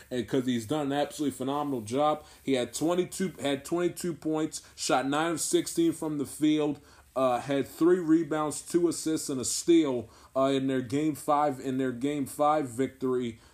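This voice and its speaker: A man speaks with a fairly high pitch and fairly even intonation at a moderate pace. The recording is very clean, with a silent background. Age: 20s. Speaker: sports podcast host. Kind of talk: solo sports commentary podcast. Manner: halting, many fillers and repeated words.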